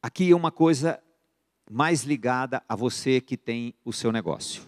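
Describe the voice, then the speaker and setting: A man's voice: medium pitch, normal speed. A middle-aged man with a Brazilian accent teaching a church finance course, telling stories and acting out buyers and sellers in the dialogues. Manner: lively storyteller who acts out buyer and seller dialogues. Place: church sanctuary. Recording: long church reverb.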